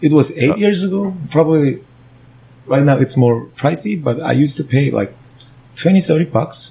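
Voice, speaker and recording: Fairly high in pitch and somewhat breathy, a man with a Korean accent talks at a moderate pace with ordinary pitch variation. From Korea, Seoul. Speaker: bar owner. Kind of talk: casual chat. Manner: halting.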